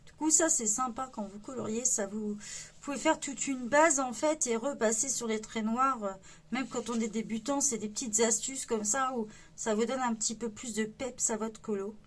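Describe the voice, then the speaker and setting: Chatty woman, slightly high voice. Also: normal speed. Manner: chatty, enthusiastic, many fillers. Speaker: coloring book reviewer. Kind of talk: casual book flip-through.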